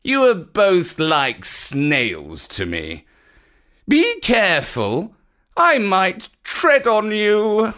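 A man voicing a huge mocking male dragon in a storybook reading, booming and taunting. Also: huge pitch swings, very slow, fairly bright tone, full character voice.

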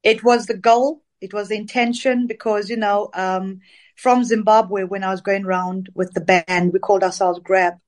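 A woman's voice: medium pitch, steady tone, normal speed. Chatty woman singer from Zambia. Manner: chatty, rambling with fillers. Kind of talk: casual interview.

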